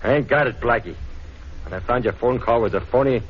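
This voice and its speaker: An actor playing a shifty, tough jewel crook who whines when cornered, talking gangster slang in a 1940s radio drama. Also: male voice, mid-range voice, a little fast, husky, close to an everyday voice. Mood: defensive. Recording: muffled 1940s radio recording, faint hiss.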